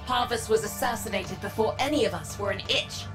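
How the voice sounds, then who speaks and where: An actress playing a tough, determined underground resistance leader in a video game, blunt, sardonic and commanding. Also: female voice, medium pitch, a little fast, over music, natural voice. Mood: conspiratorial. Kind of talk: dramatic video game acting.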